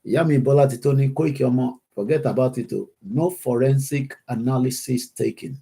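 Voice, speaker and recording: A man's voice: mid-range voice, a little fast, creaky, warm tone, slightly rough. A Nigerian man with a Yoruba accent hosts a political livestream, switching between English and Yoruba as he reads out viewer comments. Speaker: host of an online political livestream.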